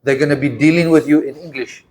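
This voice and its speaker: A man's voice: a little high, steady tone, fast, darkish tone, slight background noise. A man with a South African accent, teaching an English class in casual talk and often checking in with his students. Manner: patient, checks in often with questions.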